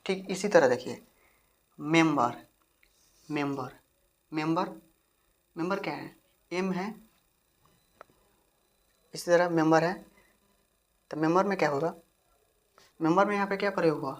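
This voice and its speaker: Lady teacher, pretty low voice, repeats stuff and keeps quizzing you. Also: moderate pace, long pauses. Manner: repetitive, keeps asking the viewer questions. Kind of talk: classroom-style grammar lesson.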